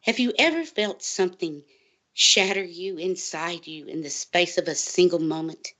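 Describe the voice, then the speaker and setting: An actress playing a distraught, paranoid college librarian in an audio drama, earnest and insistent, halting and pleading in her delivery. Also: fairly low pitch, pushed and bright. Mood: stricken, grave. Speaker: guest on a college radio show.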